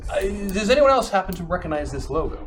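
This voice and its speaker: A man's voice: high-pitched, big pitch swings, fast, noisy background. A man talking casually as a player in a tabletop game, partly in character. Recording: music playing behind.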